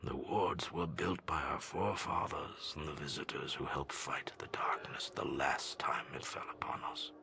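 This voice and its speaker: An actor playing a grave, solemn old tribal elder in a game, with a gravelly, breathy voice and weighty delivery. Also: male voice, extremely low pitch, steady tone, pushed and bright, in a whisper, heavily acted. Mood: solemn regret. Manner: slow, weighty, portentous. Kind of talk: solemn dramatic game cutscene monologue.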